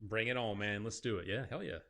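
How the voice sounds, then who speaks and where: A man hosting a casual interview, reading out viewer questions in a relaxed way. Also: lowish voice, brisk, creaky. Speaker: interviewer host.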